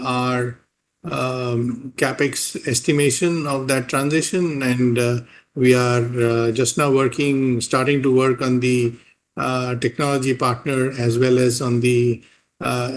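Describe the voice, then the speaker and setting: Male finance executive, average pitch, formal, deliberate phrasing with frequent pauses. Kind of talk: answering questions on an earnings call.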